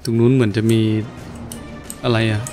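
A man giving casual let's-play commentary in an animated, exclamatory way, with playful muttering. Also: mid-range voice, normal speed. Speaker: gameplay commentator. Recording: game music behind the voice. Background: video game music.

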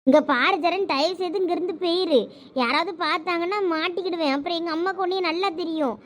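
A woman's voice: very high-pitched, fast talker. A woman voicing a young college girl in a cartoon, anxious and stubborn, insisting and pleading. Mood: worried.

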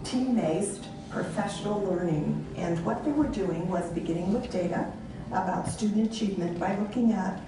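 A woman narrating a training video in a measured, explanatory way. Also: medium pitch, background noise. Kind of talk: scripted narration. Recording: echoey video played in a room from far off.

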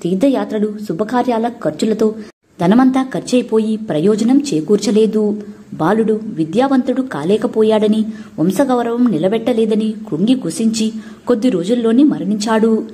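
A woman narrating a moral story for an audiobook in a steady, measured way. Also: a little high.

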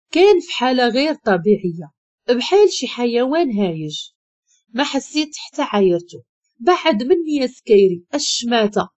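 Woman, Moroccan accent, storyteller, fairly high voice, mellow tone, dramatic first-person narration, dry dull recording. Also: husky, dry recording.

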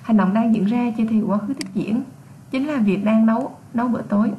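A Vietnamese woman teacher walks her students through an English exam, repeating each word and naming its sound. Her voice sits a little high. The room is echoey, with faint background noise. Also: fairly quick, highs cut off. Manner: explains patiently, repeats words with sound notes. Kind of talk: exam walkthrough lesson.

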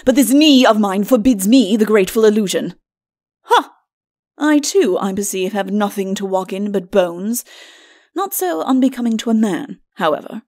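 A woman's voice: medium pitch, animated, normal speed, a little mellow, no room sound, studio quality, natural voice. Woman doing a blustering skeleton lord. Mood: grumbling. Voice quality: rough. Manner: blustering, indignant, muddled. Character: pompous aching skeleton lord, blustering old drunk.

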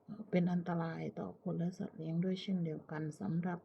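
A woman from Thailand chatting casually and politely to viewers as a pet owner, in an unhurried, coaxing manner. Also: lowish voice, level tone, gravelly, slight background noise. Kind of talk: casual chat to viewers while watching her pet cat. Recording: muffled, lo-fi, phone-like narrow sound.

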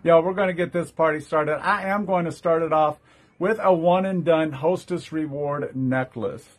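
A man's voice: fairly high pitch, moderate pace. A man hosting a casual live-stream jewelry sale, chatty and upbeat, greeting viewers by name as he shows each piece.

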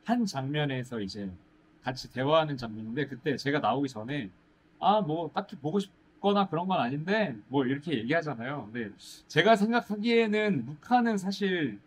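A young man, a musical actor, chatting in a casual Q&A, pausing thoughtfully to search for words. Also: fairly high pitch, animated, breathy edge. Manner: thoughtful, drawn-out pauses while searching for words. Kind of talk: casual Q&A chat. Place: indoor stage set, seated.

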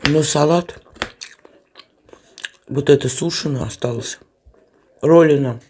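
A woman's voice: deep voice, slow, background noise. A woman vlogger chatting casually to camera with her mouth full, blunt and offhand, chewing between phrases. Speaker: mukbang vlogger. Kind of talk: casual chat to camera while eating.

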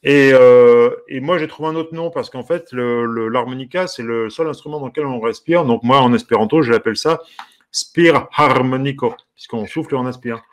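A man who teaches harmonica talks his way through what he is browsing in a relaxed, casual commentary. He sounds curious and amused, musing aloud and breaking off with soft exclamations, his voice sitting at an ordinary middle pitch. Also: moderate pace.

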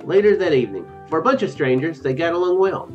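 A man's voice: fairly high pitch, expressive, fast talker. A man in his thirties reading game text aloud and adding rambling, casual commentary as a let's play host. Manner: rambling, musing asides. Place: small room at home. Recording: dull lo-fi audio with music behind. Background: game music.

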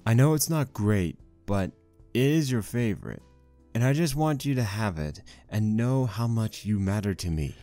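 A man voicing a gentle, apologetic, devoted pony husband, hesitant and earnest, in a fan fiction audio drama. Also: on the low side, expressive, normal speed, no room sound, faint music behind. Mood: earnest, pleading.

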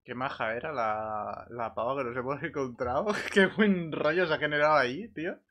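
A man's voice: medium pitch, moderate pace, dull audio. A man with an accent from Spain, telling anecdotes to gaming friends in a colloquial, sweary way. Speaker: online roleplay gamer. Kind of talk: casual chat, anecdotes.

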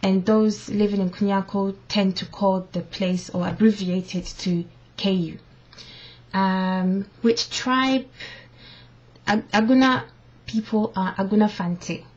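Young woman vlogging at home, slow and a bit husky, dull webcam sound. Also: medium pitch, fairly even intonation, a little mellow. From born in London, part raised in Ghana. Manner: slow, thoughtful, reads questions aloud. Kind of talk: casual talk to webcam, mixing English and Fante. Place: living room at home, indoors. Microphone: built-in webcam mic.

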